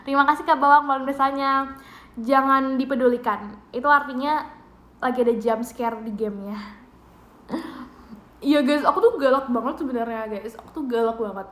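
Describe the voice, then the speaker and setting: Young woman, Indonesian accent, high voice, playful giggly livestream chat, roomy echo. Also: steady tone, moderate pace, pauses often, a bit bright. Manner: playful, giggly, reads out viewer gifts. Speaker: idol livestream host. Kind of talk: casual livestream chat to viewers. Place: bedroom at home.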